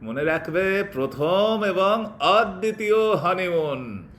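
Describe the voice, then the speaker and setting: A man's voice: sits high, animated, slow pace, fairly bright tone, heavily acted. A man playing a doting, teasing newlywed husband with romantic flourish in a theatrical Bengali audio drama. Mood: playful, flirtatious.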